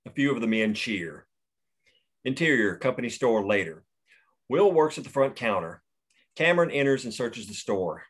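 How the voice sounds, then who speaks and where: Steady man reading stage directions. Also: medium pitch, normal speed. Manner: plain, steady read of action lines. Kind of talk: table read of a screenplay.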